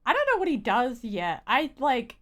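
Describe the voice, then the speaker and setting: A young woman giving casual live game commentary, rambling and halting, with slangy phrasing. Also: a little high, big pitch swings. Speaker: game streamer.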